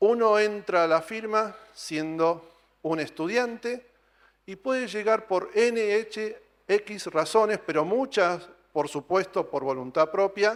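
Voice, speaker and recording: A man speaks very slowly in an Argentine accent. His high-pitched voice has lively intonation. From Argentina. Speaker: auditor and business executive speaker. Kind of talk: conference talk.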